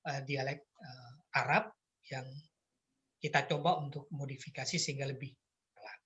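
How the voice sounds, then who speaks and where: A middle-aged man from Madura talks about his work as a lecturer. His voice is bright and forward, with an earnest, easygoing manner and a habit of laughing at himself. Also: mid-range voice, fairly even intonation, moderate pace, dull audio. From Madura, Indonesia. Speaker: Arabic lecturer, app creator. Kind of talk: casual conversation.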